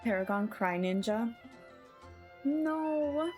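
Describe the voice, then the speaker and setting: A woman's voice: fairly high pitch, animated, takes it slowly, darkish tone. A woman streaming a video game and chatting casually with her viewers in a playful, giggly way. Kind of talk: casual live-stream chat. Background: faint game music.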